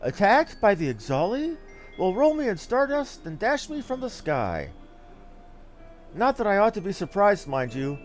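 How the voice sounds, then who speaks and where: A man's voice: sits high, very animated, measured pace, faint music behind, pitched above the performer's own voice. A man voicing a chatty, motherly fantasy quest giver from a video game, with folksy, teasing phrasing. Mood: wry, fussing. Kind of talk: reading game dialogue aloud in character.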